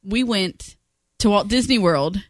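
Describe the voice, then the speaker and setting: A woman's voice: medium pitch, lively intonation, measured pace, no echo. A woman in her thirties co-hosting a casual family podcast in a studio, teasing and laughing often. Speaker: podcast co-host. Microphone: studio microphone.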